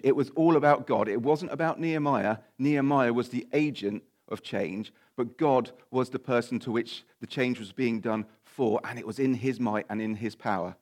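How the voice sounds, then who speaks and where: A man delivering a sermon, his voice croaky and slightly nasal from a week of coughing. He reads a long scripture passage at a middling pitch, breaking off now and then for casual, apologetic asides to the congregation. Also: a little mellow. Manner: informal, apologetic asides while reading scripture. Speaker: preacher. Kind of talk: sermon with Bible reading.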